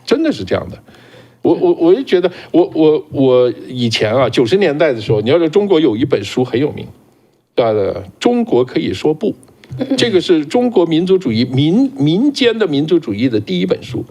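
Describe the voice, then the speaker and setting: A man co-hosting a casual political talk show, speaking in an animated way and often repeating words as he starts a sentence. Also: fairly high pitch, a little fast.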